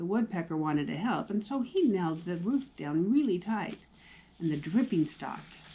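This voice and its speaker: The woman speaks at a moderate pace and medium pitch with lively intonation. Her tone is dark and mellow, and her voice is somewhat breathy. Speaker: grandmother reading to grandchildren. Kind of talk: children's story reading.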